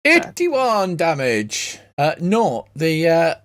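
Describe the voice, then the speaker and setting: A man's voice: fairly high pitch, wildly swooping pitch, very slow, a bit bright, no room sound. A man acting as game master, casually narrating a tabletop fantasy game in a conversational, descriptive way.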